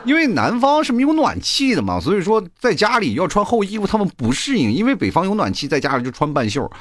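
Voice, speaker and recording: Fast, lively low-voiced male comedic host. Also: noisy background. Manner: rambling storytelling, restarts, acts out quotes. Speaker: show host. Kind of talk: comedic rant monologue.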